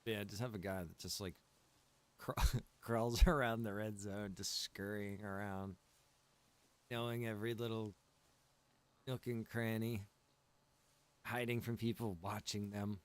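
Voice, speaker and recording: Laid-back, slow-talking man on a gaming stream. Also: lowish voice, steady tone. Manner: laid-back, joking, laughs often. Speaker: live streamer playing a survival roleplay game. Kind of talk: casual gaming livestream chat.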